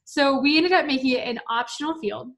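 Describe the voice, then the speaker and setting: A woman's voice: high voice, brisk, a bit bright. A woman speaking casually in an interview about her company's sign-up choices, chatty and full of fillers. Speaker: product team guest at the reviewed company.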